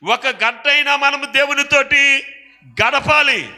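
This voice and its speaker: A man's voice: extremely high pitch, slow pace, bright, forceful tone. A male pastor preaching a sermon, exhorting his congregation with repeated questions and call-and-response. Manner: repetitive, emphatic preaching. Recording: long hall reverb.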